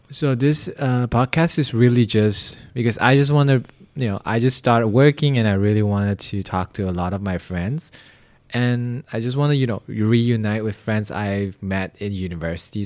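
A man's voice: fairly low pitch, darkish tone, no echo. Young man from Malaysia hosting a podcast. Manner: rambling, many fillers. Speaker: podcast host. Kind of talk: casual chat.

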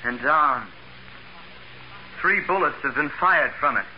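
A man's voice: on the high side, animated, slow pace. An actor playing an urgent, bossy salesman roommate in a 1940s radio drama, firing insistent questions and orders. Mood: tense, commanding. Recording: dull, hissy old radio recording.

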